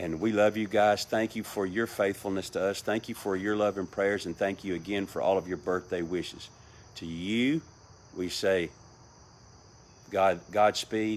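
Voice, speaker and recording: A man with a Southern US accent and fairly low pitch, at a moderate pace, with fairly even intonation and long, frequent pauses. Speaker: pastor. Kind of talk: devotional talk; casual sign-off announcements. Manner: loud.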